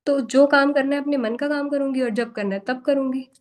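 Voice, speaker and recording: A young Indian woman with a slightly high voice talks frankly to her workshop over a video call. She slips easily between Hindi and Indian-accented English, candid and self-deprecating as she coaches. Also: fairly even intonation, a little fast, a little mellow, rough recording. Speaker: workshop host. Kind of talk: casual motivational talk to a live online class.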